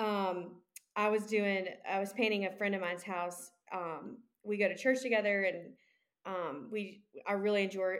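A woman speaks at a medium pitch in a Southern US accent. Her intonation stays fairly even. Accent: Southern US, noticeable. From Columbia, South Carolina. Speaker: business founder, contractor.

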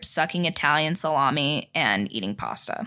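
A woman with an American accent and vocal fry, at a moderate pace, in a very clean recording with a silent background. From US, Idaho. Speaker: podcast host. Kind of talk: comedic storytelling monologue.

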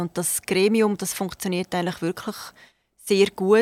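Fairly quick, monotone, flat delivery in a dry, close sound with no echo, on a very clean recording with a silent background. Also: woman. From Switzerland, canton Solothurn (Hägendorf). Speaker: cantonal parliament president, politician. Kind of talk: radio interview. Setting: radio studio.

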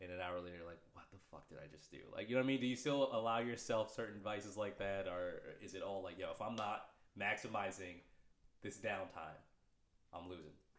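A man with a plain, everyday voice talks at a fairly quick pace with fairly low pitch. His pitch varies in an ordinary way, and his loudness swings widely. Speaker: podcast host. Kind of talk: casual interview chat.

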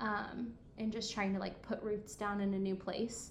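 A woman speaks at a moderate pace with a medium pitch and monotone, flat intonation. The room adds audible echo. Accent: American. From US Midwest, central Indiana. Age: 20s. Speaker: mission organization worker. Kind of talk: casual chat.

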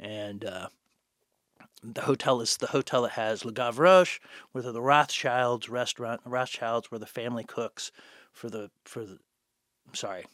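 A man with an American accent speaks at a medium pitch and moderate pace, with ordinary pitch variation, big swings in loudness and long, frequent pauses. The recording is very clean with a silent background, dry and close with no echo. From Kansas. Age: 60s. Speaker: writer, poet and bookstore owner. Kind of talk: casual chat.

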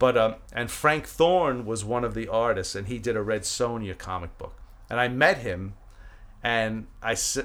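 A man speaks at a medium pitch in an American accent, with ordinary pitch variation. It is an unremarkable speaking voice, delivered at a fairly slow pace. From US, Brooklyn, New York. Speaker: podcast co-host, musician. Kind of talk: casual chat.

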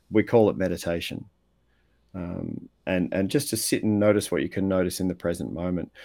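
A man speaks with an Australian accent at a fairly quick pace, his pitch very deep and low and his tone dark and mellow. The recording is very clean with a silent background. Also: ordinary pitch variation. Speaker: guest, mindfulness and men's work speaker. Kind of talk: casual interview conversation. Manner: passionate, excitable.

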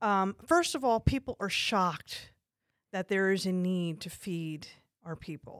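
In a normal speaking voice at medium pitch, a woman speaks at a fairly slow pace with big swings in loudness. The recording is very clean, with a silent background. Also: ordinary pitch variation, dry, close sound with no echo. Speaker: real estate agent and volunteer. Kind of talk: casual interview.

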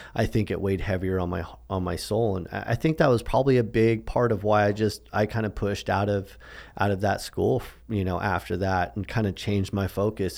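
In a Californian accent, the voice moves at a fairly quick pace with ordinary pitch variation on a very clean recording with a silent background. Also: man. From San Francisco Bay Area, California. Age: 30s. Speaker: realtor. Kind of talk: interview, personal life story. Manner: halting, many fillers.

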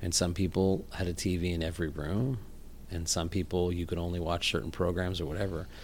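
A man speaks with a General American accent. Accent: general American, non-regional. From Houston, Texas. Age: 40s. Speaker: songwriter and artist. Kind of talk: casual interview chat.

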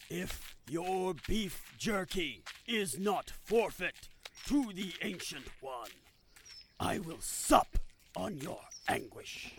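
A man puts on a character voice, high-pitched with a pompous, menacing tone. He speaks at a very slow pace with long, frequent pauses. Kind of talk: comic overacting. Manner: pompous, menacing, grandiose.

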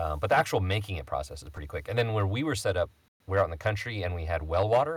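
Somewhat breathy, a man speaks at a very fast pace with very wide pitch swings, on a very clean recording with a silent background. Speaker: voice actor. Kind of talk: casual chat. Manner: pleasant to listen to.

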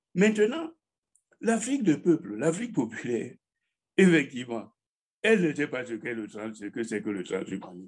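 A man speaks at a fairly high pitch with vocal fry, very wide pitch swings and big swings in loudness. He leaves long, frequent pauses. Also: moderate pace. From Cameroon. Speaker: philosopher and politician. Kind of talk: interview discussion. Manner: halting.

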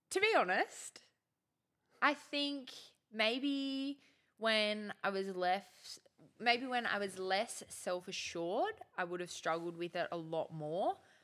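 With an Australian accent, a woman speaks at a very slow pace with long, frequent pauses, a fairly high pitch, a bright, sharp tone and lively intonation. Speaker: construction tradeswoman. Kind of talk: casual interview.

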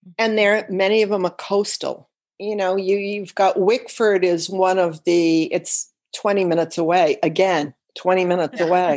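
Over a quiet background, a woman with a Rhode Island accent speaks at medium pitch and a moderate pace with fairly even intonation. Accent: Rhode Island New England, dropped Rs. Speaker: writer and retiree guest. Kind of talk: casual chat.

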